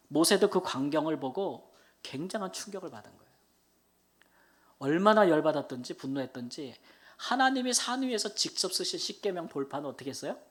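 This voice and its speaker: Middle-aged man, pastor, sermon, earnest storytelling, soft asides, sudden loud bursts, church sanctuary. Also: a little high.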